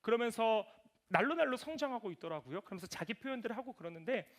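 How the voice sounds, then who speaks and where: A man in his thirties preaching a sermon in church, telling lively family stories and acting out voices. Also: very high-pitched, quick pace. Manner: animated storytelling, voices his toddler and himself. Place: church sanctuary.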